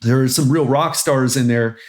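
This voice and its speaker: A man's voice: mid-range voice, moderate pace. A man hosting a podcast, introducing his guest in an upbeat, enthusiastic way. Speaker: podcast host. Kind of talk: podcast interview.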